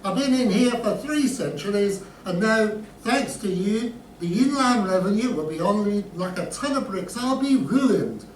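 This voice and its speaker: A man playing an excitable, rambling comic Aladdin with a Scottish accent in a sketch. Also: sits high, moderate pace, hardly any pauses. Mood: indignant. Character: rambling excitable Aladdin, a pantomime storyteller with faux French airs. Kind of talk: comic radio-sketch banter. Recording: roomy, distant mic, faint noise.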